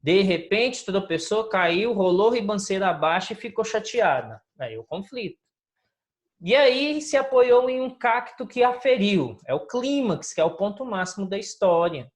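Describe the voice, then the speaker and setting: A woman teacher goes over a recorded lesson, explaining things and asking her pupils questions along the way. Her voice is medium in pitch with big swings, and she speaks at a normal speed.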